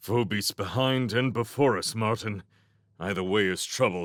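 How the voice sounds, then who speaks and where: Using a put-on character voice, a man speaks at a moderate pace in a raspy, fairly low pitch. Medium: read story.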